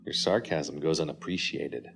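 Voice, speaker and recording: A terse henchman in an audio drama, his voice deep. He is formal and coldly loyal, with light music behind. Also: moderate pace, vocal fry. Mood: curt, cold.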